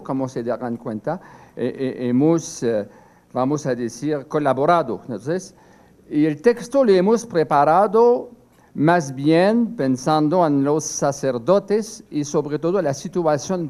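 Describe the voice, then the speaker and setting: An older priest whose first language is French, giving a seminar talk from a prepared text, slow and halting with many pauses and restarts. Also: male voice, a little high, a little mellow.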